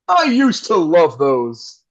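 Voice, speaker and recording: An actor playing a polished, wry and nervous live radio host in an audio play, with a theatrical announcer delivery. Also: male voice, a little high, wildly swooping pitch, slow, dull audio, heavily acted. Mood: uneasy, dry. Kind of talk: old-time radio play acting.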